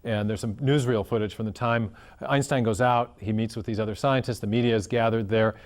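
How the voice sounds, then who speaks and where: A man's voice: on the low side, steady tone, a little fast. Earnest man explaining at length. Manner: earnest, storytelling explainer who restarts phrases. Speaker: guest scholar. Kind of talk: explanatory interview talk.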